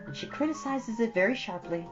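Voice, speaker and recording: A woman's voice: on the high side, expressive, fairly quick, voice pushed up, lightly acted. A woman voicing a thoughtful, earnest fifteen-year-old girl from a storybook, reflective and dreamy. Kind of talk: storybook character dialogue. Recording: dull audio over soft guitar music.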